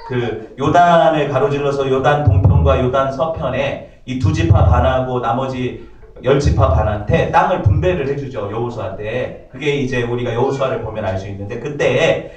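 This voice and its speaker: A man preaching a sermon as pastor, in a lively conversational way, often asking the congregation questions. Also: medium pitch, moderate pace, lo-fi sound. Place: church sanctuary. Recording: echoey church hall, mic at a distance.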